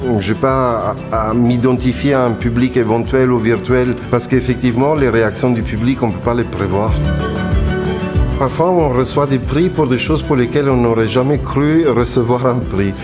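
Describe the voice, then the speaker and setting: A male choreographer who grew up speaking Italian talks thoughtfully about his craft in an interview portrait, pausing for fillers now and then. His voice sits at a middle pitch. Loud music plays under the interview. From Germany. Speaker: dancer and choreographer.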